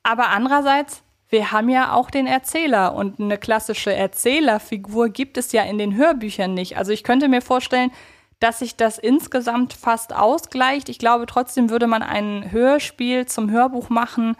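Chatty woman with a higher-pitched voice. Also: normal speed. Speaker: podcast co-host. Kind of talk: casual fan podcast chat.

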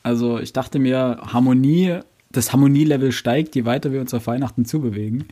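A man's voice: medium pitch, fairly quick, dark tone. A man co-hosting a casual podcast, dropping wry jokes into the chat. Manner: wry, joking remarks. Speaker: podcast co-host.

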